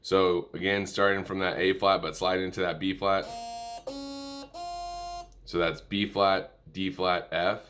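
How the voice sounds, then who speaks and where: Very deep-voiced man teaching music. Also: flat delivery, unhurried, pauses often. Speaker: music tutorial instructor. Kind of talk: informal instrumental lesson, calling out notes. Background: musical instrument playing between and under phrases.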